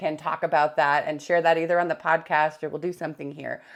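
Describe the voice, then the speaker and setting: An animated tone at a very fast pace. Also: woman. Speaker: health coach. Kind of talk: casual vlog talk to camera.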